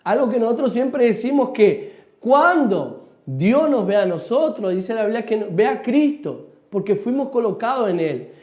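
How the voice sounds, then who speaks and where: A man's voice: very high voice, sing-song, a little slow, a little mellow. A Uruguayan man with a Rioplatense accent preaching a sermon, asking the congregation questions and answering them himself. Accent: Rioplatense Spanish. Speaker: pastor. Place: church hall. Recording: echoey church hall, dull sound.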